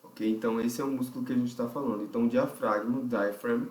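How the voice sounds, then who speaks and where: A man's voice: mid-range voice, steady tone, fast, darkish tone. A man with a Brazilian Portuguese accent teaching a vocal technique lesson. He explains step by step, thinks aloud and keeps checking in with the listener. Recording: roomy, distant mic.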